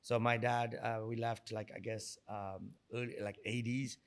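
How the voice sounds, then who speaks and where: A middle-aged Sri Lankan man, an entrepreneur and investor, talks as an interview guest with a medium-pitched, flat voice and a slightly slow pace. He answers conversationally, frequently repeating words and rephrasing mid-thought.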